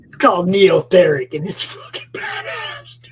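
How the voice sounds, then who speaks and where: A man co-hosting a casual panel, loud and energetic, hyping up a guest. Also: sits high, a little slow, crowd noise. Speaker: co-host. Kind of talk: casual chat.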